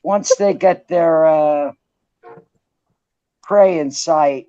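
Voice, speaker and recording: A woman's voice: deep voice, very slow, mellow, no room sound, highs cut off. A woman from New Jersey with a slight New Jersey accent, co-hosting a casual livestream chat, talkative and laughing, swearing freely. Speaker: co-host.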